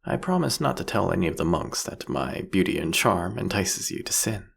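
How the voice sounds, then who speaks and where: A man playing a seductive, mocking vampire king in a fantasy audio roleplay, with theatrical, teasing, eloquent delivery and a husky, gravelly voice. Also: low voice, very animated, moderate pace, a little hiss or hum, heavily acted.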